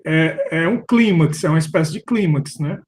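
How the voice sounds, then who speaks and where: Brazilian man, slightly high voice, unsure questioner who restarts words. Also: normal speed. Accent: Brazilian Portuguese. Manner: questioning, uncertain, restarts often. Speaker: philosophy study group participant. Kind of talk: casual discussion.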